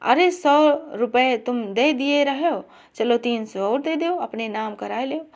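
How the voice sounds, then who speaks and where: Storybook role: a woman doing a sly old aunt, bossy and haggling, slightly high voice. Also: measured pace, a little mellow. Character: shrewd, greedy old aunt.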